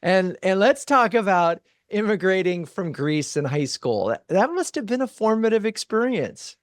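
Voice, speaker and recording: California guy hosting a podcast, voice on the high side, really dry sound, chatty. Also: very animated, moderate pace, dry recording. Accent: Californian American. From California, United States. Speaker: podcast host. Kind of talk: conversational interviewing.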